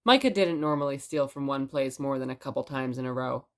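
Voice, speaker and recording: A woman playing a chatty, playful radio host in an audio drama, telling stories in a conversational, wry and expressive way. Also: rumbling low, fairly quick. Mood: measured storytelling. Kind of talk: audio drama radio broadcast and scripted narration.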